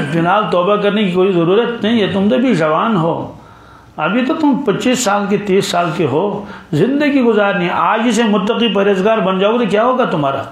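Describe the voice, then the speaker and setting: A man teaching a Quran commentary lesson, quoting Arabic verses slowly and having listeners finish his sentences. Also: high voice, lively intonation, roomy sound. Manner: quotes Arabic verses slowly, then explains them.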